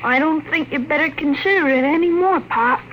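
Woman acting a very high-voiced, sullen spoiled boy. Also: a little fast, lo-fi sound, lightly acted. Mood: quietly menacing. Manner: whiny, petulant. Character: sullen, spoiled young boy, quietly threatening. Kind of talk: 1950s radio drama acting. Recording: noisy old 1950s radio recording.

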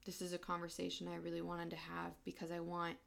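Tearful woman with a low, gravelly voice. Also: monotone. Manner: emotional, halting, soft-spoken. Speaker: podcast host. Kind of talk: personal podcast monologue.

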